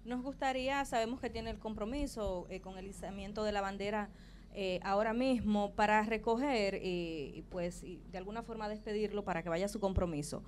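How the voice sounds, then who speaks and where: A woman's voice: medium pitch, brisk, slight background noise. A woman co-hosting an outdoor morning TV panel, politely steering questions to the guest. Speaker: host.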